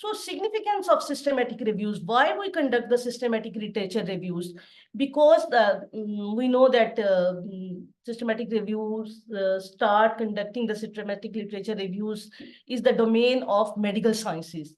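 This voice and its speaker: A woman's voice: mid-range voice, darkish tone. Woman lecturing over a video call. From Pakistan. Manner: careful, plain explaining with frequent "uh" pauses. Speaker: assistant professor giving a webinar lecture. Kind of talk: online lecture. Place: home study with bookshelves behind.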